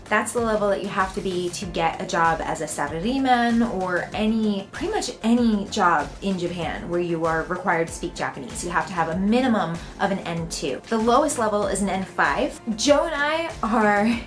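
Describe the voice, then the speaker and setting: A woman's voice: medium pitch, moderate pace, few pauses, soft background music. An American woman vlogging, talking casually to the camera at home and laughing often.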